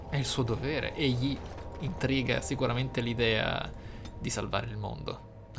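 A man's voice: medium pitch, a little hiss or hum. A man giving playthrough commentary on a roleplaying game, musing aloud in an emphatic way. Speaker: gameplay host. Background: game music behind the voice.

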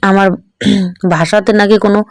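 A middle-aged woman with an East Bengal Bangal accent talks her viewers through her day in an easy, chatty vlog. Her voice is smooth and clear. The sound is close and dry, with no room echo. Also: mid-range voice, fairly even intonation, brisk. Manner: chatty, keeps checking in with tag questions. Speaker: vlogger. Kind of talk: casual home vlog narration.

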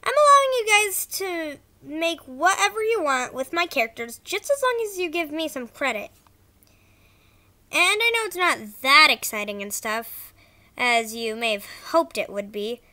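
A woman's voice: high-pitched, pushed and bright. A woman narrating informal scripted announcements as an animation creator, stumbling a little over her words.

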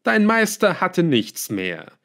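A man voicing a scheming male villain in an audiobook, calm, smug and lightly scornful. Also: sits high, slow pace, creaky, pitched above the performer's own voice, heavily acted. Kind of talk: audiobook character voice.

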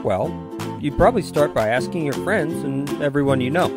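A man's voice: on the high side, lively intonation, a little fast, music in the background. A middle-aged man reading scripted commercial narration in a polished, earnest way with emphatic phrasing. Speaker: voice-over artist.

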